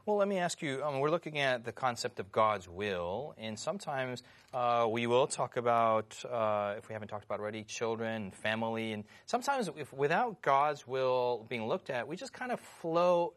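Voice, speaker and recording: A man's voice: mid-range voice, very animated, fairly bright tone. A man hosting a Bible discussion show, posing questions and leading the talk. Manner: questioning, leads discussion, brisk wrap-ups. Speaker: host.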